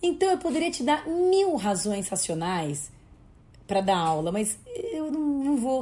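Her voice pitched high, a woman talks at a very slow pace with very wide pitch swings. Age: 40s. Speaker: criminal law professor. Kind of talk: interview.

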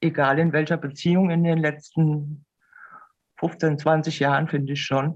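Speaking in a monotone, flat way, a woman uses a very deep, low pitch. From Hesse, Germany. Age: 60s. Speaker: self-employed data protection consultant. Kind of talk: interview. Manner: hesitant, many fillers.

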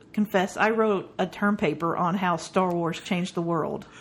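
A woman with a Texas accent at a fairly slow pace, her pitch varying in an ordinary way. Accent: Texas twang. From Texas, small town southwest of Houston. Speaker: podcast co-host. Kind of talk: casual chat.

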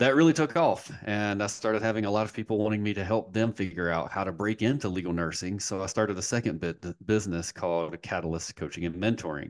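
A man with a Southern US accent talks at a very fast pace with hardly any pauses. His pitch is fairly low with ordinary variation, and the background is quiet. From US South Carolina. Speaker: legal nurse consultant and coach. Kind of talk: casual interview chat.

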